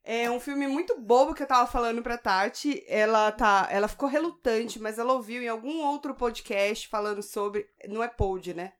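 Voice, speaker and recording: A woman's voice: on the high side, moderate pace, few pauses, clear, resonant tone. A woman in her thirties with a Brazilian accent, co-hosting a podcast in a casual, joking chat and swearing freely. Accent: Brazilian Portuguese. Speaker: podcast co-host.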